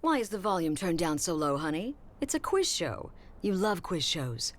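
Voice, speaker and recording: A woman's voice: on the low side, sing-song, moderate pace. A woman voicing a wry, sardonic American newspaper reporter in a motion comic, with a dry manner. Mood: dry, weary.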